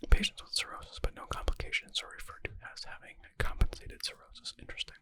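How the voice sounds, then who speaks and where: A man whispering in a breathy, unvoiced ASMR style, reading aloud and adding informal, thinking-aloud asides. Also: fast talker, sharp tone. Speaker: ASMR creator reading and answering medical exam questions.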